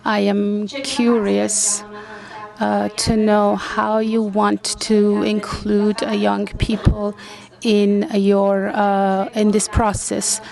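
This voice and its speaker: Hesitant young woman with gravelly voice. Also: mid-range voice, monotone, very slow, darkish tone. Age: 20s. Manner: hesitant, many fillers. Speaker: audience questioner.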